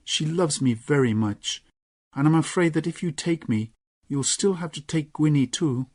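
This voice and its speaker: A man voicing an earnest young lady, raised high. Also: normal speed, a little mellow, no room sound, clean studio sound, close to an everyday voice. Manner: pleading, emotional.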